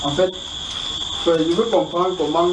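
A man asking questions about the Bible in a halting, roundabout way, repeating himself often. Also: on the high side, steady tone. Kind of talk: informal spoken question. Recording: echoey, distant, noisy pickup.

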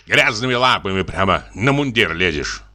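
A man reading a story aloud, voicing a boastful middle-aged army lieutenant who wheedles and blusters as he pushes a sale. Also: normal speed. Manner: wheedling, blustering, swinging high and excited.

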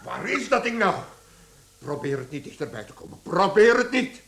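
An actor playing a harsh, irascible older father in a radio drama, gruff and commanding. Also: high voice, big pitch swings, normal speed, noisy background, full character voice. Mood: furious.

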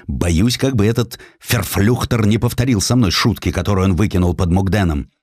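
Man voicing a deep, weary, commanding army general. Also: normal speed, a little mellow, no room sound, studio quality. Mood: grim. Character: weary, blunt Russian army general, middle-aged man.

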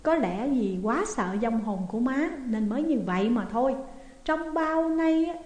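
A woman's voice: on the high side, expressive, normal speed, a little mellow, close to an everyday voice. A woman doing an eager young Southern Vietnamese daughter. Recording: echoey room with long reverb.

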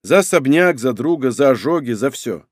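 A man reading aloud does a cocky young hero with a blunt, sardonic edge. The voice jumps up and down lively and sits close in a dry, dead room. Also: medium pitch, normal speed, no echo, lightly acted. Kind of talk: audiobook reading.

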